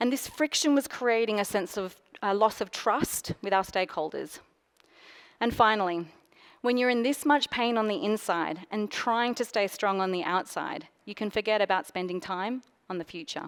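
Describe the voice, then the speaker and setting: A woman with an Australian accent and a fairly high pitch speaks at a moderate pace with ordinary pitch variation, in a very clean recording with a silent background. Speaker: design leader. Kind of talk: conference talk.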